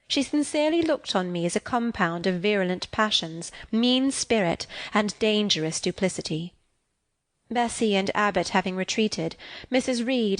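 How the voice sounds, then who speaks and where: A woman narrating an audiobook of a classic novel in a measured, expressive reading. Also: mid-range voice. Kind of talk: scripted narration.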